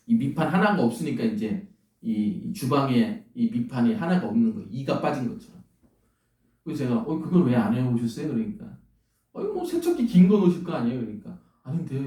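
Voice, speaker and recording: A man's voice: medium pitch, mellow. A male pastor preaching a sermon, telling a story with earnest emotion and quoting God's scolding questions. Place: church sanctuary. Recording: echoey church hall, mic at a distance.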